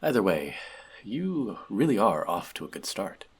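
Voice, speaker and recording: A man playing a wise, teasing, gentle elf friend and magic mentor in a fantasy audio roleplay, talking conversationally and reflectively to the listener. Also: on the low side, very animated, unhurried, breathy edge, exaggerated voice. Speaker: voice actor.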